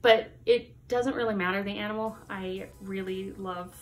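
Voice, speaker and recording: A young woman from the United States chatting casually to the camera in her vlog, lively and laughing often. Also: medium pitch, moderate pace, faint music behind. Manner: chatty, laughs often, animated hand gestures. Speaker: YouTuber. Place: Halloween-decorated room indoors.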